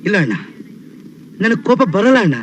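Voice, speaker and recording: A man's voice: sits high, sing-song, fairly quick, slight background noise. An actor playing a pompous male politician who keeps politely insisting he never gets angry, from a film comedy. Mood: insistent. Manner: overly polite, then shouting denials.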